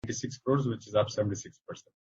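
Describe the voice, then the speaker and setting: A man with an Indian accent presents as a finance executive on an earnings call, halting often with filler sounds. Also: fairly low pitch, steady tone, a little mellow, breathy edge. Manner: halting, hesitant delivery with frequent filler sounds. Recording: dull lo-fi conference call audio.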